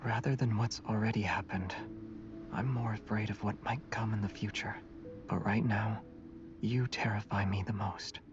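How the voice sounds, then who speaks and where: An actor playing a calm young male alien hero who speaks softly, almost in a whisper. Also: on the low side, normal speed, slight background noise, natural voice. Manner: soft, half-whispered, restrained. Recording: distant, muffled game audio with music.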